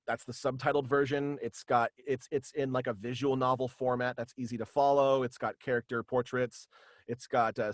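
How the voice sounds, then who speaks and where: A young man talking casually as an interview guest, in a halting, rambling way over a video call. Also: mid-range voice, dry recording. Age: young adult. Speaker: guest, voice actor and podcast creator. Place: small room at home, video call.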